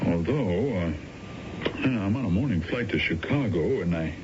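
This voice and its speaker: Halting family friend, swooping low voice. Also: male voice, animated. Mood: hesitant, polite. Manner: halting, tentative. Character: polite, hesitant family friend, quietly prying. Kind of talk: 1970s radio drama acting. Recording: dull, noisy old radio broadcast with rumble.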